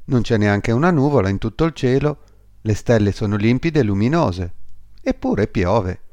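A man's voice: on the low side, expressive, normal speed, darkish tone, no room sound. A man voicing a small, proud, chatty female swallow in a fairy tale, fussy and exclaiming. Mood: fretful.

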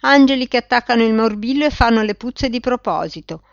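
A woman's voice: on the high side, expressive, a little fast, creaky, no room sound, lo-fi sound, voice pushed up. A woman doing a sneering dyed-haired lady. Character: rude dyed-haired woman, mocking and dismissive.

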